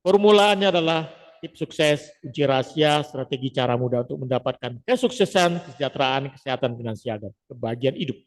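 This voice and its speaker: A man teaching public speaking in a lively, emphatic lecture style, often dropping short "ya" asides to the audience. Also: medium pitch, brisk, long reverb tail.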